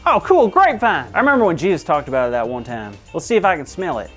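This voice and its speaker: A woman playing an excitable, goofy young male host of a children's church show, with an over-the-top, bouncy delivery. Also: sits low, fast talker, soft background music. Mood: curious. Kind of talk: kids' church comedy skit.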